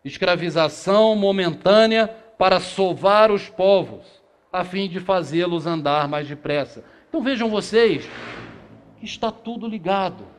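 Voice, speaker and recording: With a high, unhurried voice, a middle-aged man from Brazil presents a spiritist lecture to a seated audience in a small meeting room. He reads passages out loud and asks rhetorical questions before answering them himself. The recording comes from a far camera, without a handheld mic.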